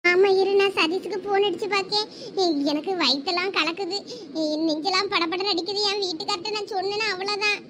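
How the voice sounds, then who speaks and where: A performer voicing a frantic, squeaky village mother with a Thoothukudi accent. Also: fairly even intonation, fast, crowd noise. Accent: Thoothukudi Tamil. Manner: fretful, pleading. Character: anxious village mother, frightened and tearful. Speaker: cartoon voice. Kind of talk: comic village cartoon dialogue. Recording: loud background noise.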